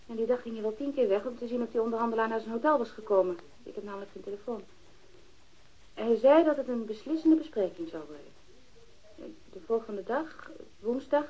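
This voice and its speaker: A woman's voice: on the high side, mellow, husky. An actress playing a frank, matter-of-fact woman who uses drugs, giving testimony in a radio crime drama. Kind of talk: Dutch radio drama dialogue. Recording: dull, lo-fi archived radio recording.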